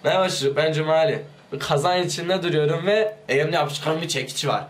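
A man briefly speaking as his game character, a man stuck in a cauldron with a hammer, in a deadpan tone. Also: a little high, brisk, slight background noise, pitched below the performer's own voice, close to an everyday voice.

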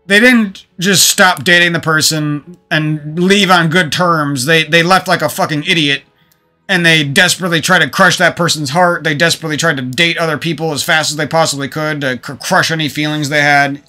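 With soft music in the background, this gaming streamer talks at normal speed in a high-leaning, bright, forceful voice that stays steady. Speaking to stream viewers via a desk mic in a room at home, he vents about old relationships, swearing, rambling and restarting.

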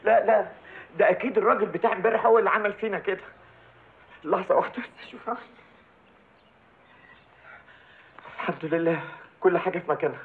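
A man's voice: high-pitched, rapid-fire. An actor with an Egyptian accent playing a bumbling, cowardly comic man who babbles in panic. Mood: confused. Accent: Egyptian Arabic. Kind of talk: comedy film acting. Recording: tinny film audio with room echo.

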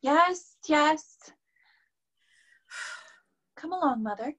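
A young woman playing a brisk, teasing daughter in a staged reading. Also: high-pitched, lively intonation, fairly bright tone, lo-fi sound, exaggerated voice. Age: young adult.

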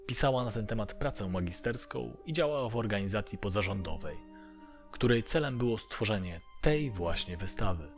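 A man narrating a first-person horror story from a script. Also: fairly low pitch. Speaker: narrator of audio horror stories.

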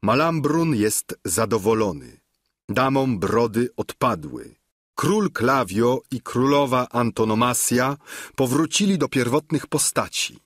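A man narrating a classic novel for an audiobook, his voice breathy and slightly husky. He reads with animated, rising and falling intonation, close to the mic in a dry space. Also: medium pitch, unhurried, no room sound.

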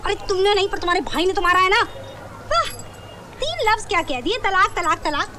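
An actress playing a loud, headstrong activist wife who speaks out indignantly. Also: female voice, very high voice, expressive, brisk. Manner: indignant and declamatory. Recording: film soundtrack with crowd noise.

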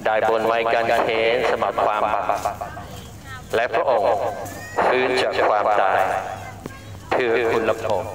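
A man's voice: lowish voice, fairly even intonation, unhurried, pauses often, roomy sound, poor audio. A man preaching to passersby in an outdoor night market, earnest and repetitive, recorded on a body-worn camera. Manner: repetitive, earnest, polite sentence endings. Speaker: street evangelist.

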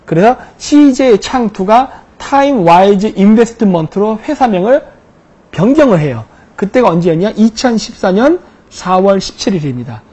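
Man, commentator, husky voice, mellow tone, rhetorical questions, lecture over slides. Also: sits high, lively intonation. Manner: poses rhetorical questions and answers them himself; emphatic, drawn-out stresses on key words. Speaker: political commentator.

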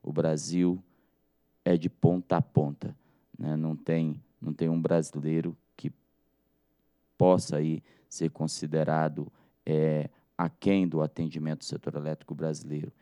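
A Brazilian man with a Brazilian Portuguese accent, an agency director giving measured formal remarks over a video call, repeating phrases and restarting often. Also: a bass voice, flat delivery, warm tone, clean tone, dry recording, studio quality.

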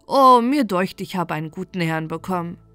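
A woman's voice: lowish voice, animated, normal speed, sharp tone, no echo, soft background music. A woman voicing a cheerful, curious young king's son in a bedtime fairy tale, exclaiming in wonder.

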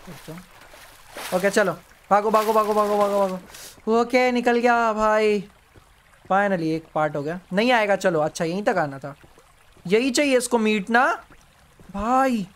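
A man streaming a horror game live, yelping, pleading and hushing as a monster comes near. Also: sits high, slight background noise. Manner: jumpy, yelps and pleads with the monster, then hushes to a whisper. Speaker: gaming streamer. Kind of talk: live gameplay commentary.

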